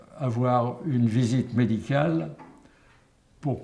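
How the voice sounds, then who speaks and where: In a room with audible echo, a man speaks very slowly at a medium pitch with ordinary pitch variation. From France, Paris. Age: 90s. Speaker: war veteran. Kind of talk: testimony.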